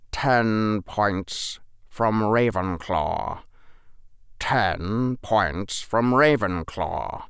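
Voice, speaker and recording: A man's voice: fairly low pitch, a bit bright, smooth, dry recording, studio quality. An actor playing a sneering, bullying adult male teacher with a contemptuous drawl. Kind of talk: audiobook character voice.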